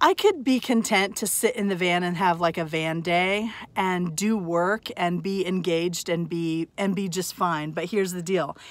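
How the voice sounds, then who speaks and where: A moderate pace and ordinary pitch variation in a dry sound with no echo. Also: woman. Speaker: van life vlogger. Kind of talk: casual vlog chat. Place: car. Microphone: phone near.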